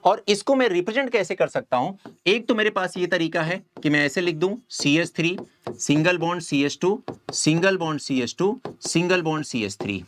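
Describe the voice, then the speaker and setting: A man's voice: high voice, animated, normal speed, a bit bright. A man giving a step-by-step chemistry lecture and often checking that his students follow. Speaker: chemistry teacher. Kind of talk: whiteboard lecture.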